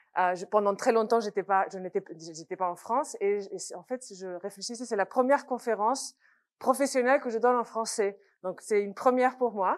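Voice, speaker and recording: With a Spanish accent, a woman speaks at a moderate pace with ordinary pitch variation and big swings in loudness. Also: fairly high pitch for a woman. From Spain, Barcelona. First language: Spanish (speaking French). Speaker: economics professor. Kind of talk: lecture.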